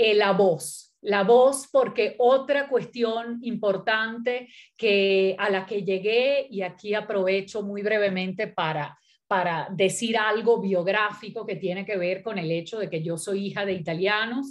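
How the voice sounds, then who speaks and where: Her pitch is medium, with ordinary pitch variation. The woman speaks at a fairly slow pace. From Venezuela, Italian immigrant family. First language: Italian (speaking Spanish). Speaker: poet. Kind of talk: literary panel talk. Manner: halting, many fillers.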